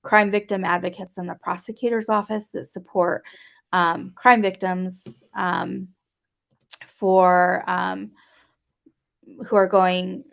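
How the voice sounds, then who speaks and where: A woman's voice: on the low side, flat delivery, takes it slowly, gravelly. A woman guest advocate answering interview questions, hesitant with many fillers.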